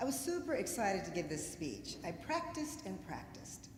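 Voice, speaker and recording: A woman in a General American accent speaks at a moderate pace with very wide pitch swings, amid noticeable background noise and audible room echo. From Los Angeles, California. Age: 60s. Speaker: radiologist, guest speaker. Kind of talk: speech. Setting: stage with audience.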